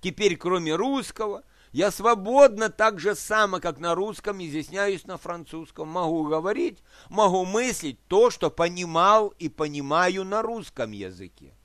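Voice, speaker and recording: A man's voice: high-pitched, lively intonation, a little slow, few pauses, fairly bright tone, no room sound, studio quality. A man preaching a sermon, explaining scripture with worked examples, rhetorical questions and checks that his listeners follow. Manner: asks listeners for agreement.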